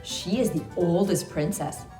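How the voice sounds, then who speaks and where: A woman playing an earnest, excitable Red Riding Hood, announcing a fairy tale fashion show in a theatrical skit style. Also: on the low side, measured pace, close to an everyday voice. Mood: chirpy. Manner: theatrical, animated. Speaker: co-host. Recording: roomy echo, music behind.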